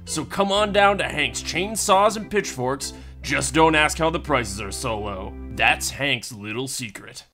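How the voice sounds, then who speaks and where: A man playing a hearty, folksy radio announcer, delivering a mock commercial sales pitch. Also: animated, unhurried, pushed and bright, soft background music. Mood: hearty, salesy.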